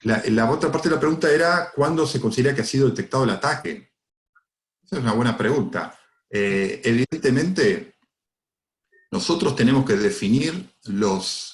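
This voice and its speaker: A man's voice: medium pitch, echoey room. A man from Argentina with an Argentine Spanish accent, answering audience questions as a cybersecurity speaker in a webinar, with many fillers and tag questions.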